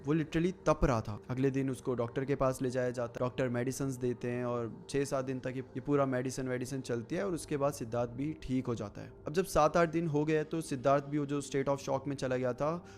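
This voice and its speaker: A man hosting a show, narrating a scary true story in a relaxed, conversational way. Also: mid-range voice, fairly quick, few pauses, slight background noise. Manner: conversational, relaxed retelling with fillers. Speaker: horror story narrator and host. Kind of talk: casual storytelling.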